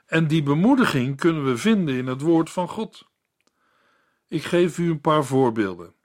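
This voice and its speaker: A man reading a scripted Bible commentary in a calm, measured way, as a Bible teacher. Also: on the high side.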